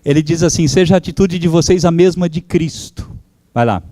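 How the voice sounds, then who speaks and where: A man's voice: a little high, a little fast, dark tone, dry recording. A man whose first language is German, preaching a sermon as pastor, fervent and calling out to his congregation.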